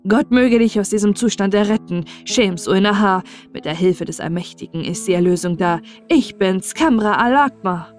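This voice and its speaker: A woman's voice: mid-range voice, normal speed, few pauses, a little mellow, lightly acted. A woman reads as a solemn young prince in a fairy tale, playing the wise astrologer. The speech is formal and declaimed, over music. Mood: urgent.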